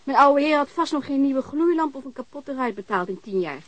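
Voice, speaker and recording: Radio drama: frank, chatty young landlady, highish pitch, swooping intonation, earthy and unpolished. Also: expressive, brisk, no room sound. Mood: opinionated. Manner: blunt, swearing, informal. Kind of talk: naturalistic radio drama dialogue.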